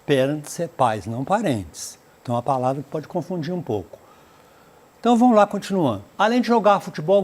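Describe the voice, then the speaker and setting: A Brazilian man with a fairly high voice teaches an English class for schoolchildren. He reads each English sentence slowly and then translates it, filling the gaps with fillers. His pace is patient and explanatory. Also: a little mellow. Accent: Brazilian Portuguese. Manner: frequent "então" and "né" fillers. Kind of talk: recorded remote school lesson.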